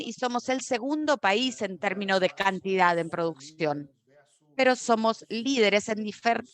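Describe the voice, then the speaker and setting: A woman giving a simultaneous interpretation of a corporate conference talk, steady but often correcting herself mid-word. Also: mid-range voice. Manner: steady with frequent self-corrections and restarts.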